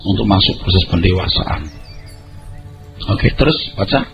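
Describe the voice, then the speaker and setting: A man's voice: low voice, unhurried, gravelly. A middle-aged male pastor preaching a sermon, emphatic and conversational, with colloquial asides to the congregation. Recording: dull lo-fi audio with music behind. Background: background music.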